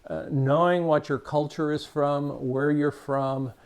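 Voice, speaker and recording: Measured older man with a Cuban-American accent. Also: on the high side, fairly even intonation, darkish tone, smooth. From Cuba, raised in Miami. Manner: measured, unhurried, with many "uh" fillers and small restarts. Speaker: behavior expert, channel host. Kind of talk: reflective talk to camera.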